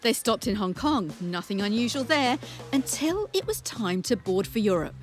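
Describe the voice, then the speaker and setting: A New Zealand woman reporter narrates a news piece with a bright, fairly high voice. She lands her points with wry emphasis. Soft music runs under her voice. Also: big pitch swings, normal speed. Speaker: consumer affairs reporter.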